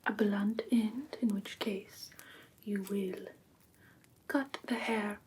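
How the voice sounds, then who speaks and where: A woman playing a gentle vampire teacher in a whispered ASMR roleplay lesson, patiently instructing in a breathy whisper close to the microphone. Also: mid-range voice, steady tone, takes it slowly, slight background noise, close to an everyday voice. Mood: gentle, instructive. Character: gentle female vampire teacher of human pet care. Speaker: host of a roleplay class, as instructor.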